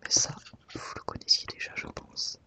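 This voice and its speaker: Whispered ASMR narrator. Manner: soft, unhurried guided browsing through a book. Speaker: ASMR video host.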